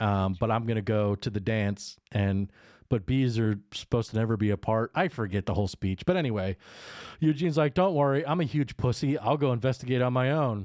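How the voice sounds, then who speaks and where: A plain, everyday voice at a fairly quick pace, very even in loudness, with a dry, close sound free of echo and a very clean recording over a silent background. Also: man, medium pitch for a man. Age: 40s. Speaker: podcast host. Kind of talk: casual chat.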